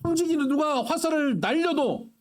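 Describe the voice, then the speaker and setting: A man's voice: extremely high pitch, normal speed. A middle-aged man preaching a sermon as pastor, acting out quarrels in other voices. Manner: animated, acts out quarrels in character voices.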